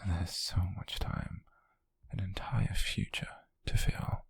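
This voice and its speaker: A British man playing a possessive, wealthy young yandere in an ASMR roleplay, coaxing haltingly in a breathy, husky whisper with soft menace. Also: sits low, steady tone, dry recording, full character voice. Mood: polite, musing.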